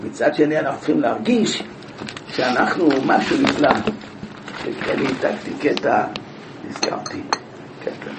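A man teaching a Talmud class, telling the story with lively rhetorical questions. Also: mid-range voice, pauses often. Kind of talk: Talmud class, explaining a passage. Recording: echoey room from far off, with background noise.

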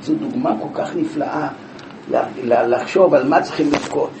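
Male Talmud teacher, animated storyteller, slightly high voice, roomy echo, background noise. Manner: animated, lively storytelling with many rhetorical questions. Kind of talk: Talmud class, explaining a passage. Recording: echoey room from far off, with background noise.

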